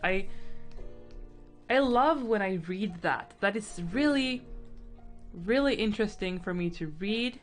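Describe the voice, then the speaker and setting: Young woman, unhurried, thinking out loud, painting-stream chat, soft music behind. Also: mid-range voice. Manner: rambling, thinking out loud with many fillers and giggles. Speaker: artist streaming a painting session. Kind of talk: casual stream-of-consciousness chat. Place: indoors at home. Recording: faint background music.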